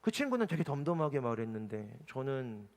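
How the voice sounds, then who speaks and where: A male pastor preaching a sermon with passion, swinging between loud and hushed delivery and acting out remarks in dialogue. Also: mid-range voice, sing-song, brisk, in a large hall. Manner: acts out his own remarks in dialogue. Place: church hall.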